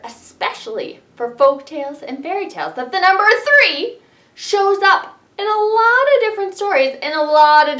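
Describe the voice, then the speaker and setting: A woman hosting a children's fairy tale storytime as a librarian, talking in an animated way straight to young listeners as she opens the tale. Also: high voice. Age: adult, parent of young kids. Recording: roomy, echoey sound.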